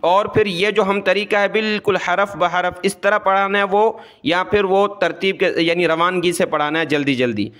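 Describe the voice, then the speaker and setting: A man teaching Quran recitation letter by letter, drawing out each sound slowly and then explaining quickly, with a South Asian Urdu accent. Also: high voice, a bit bright. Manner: slow drawn-out recitation, quick explanations between.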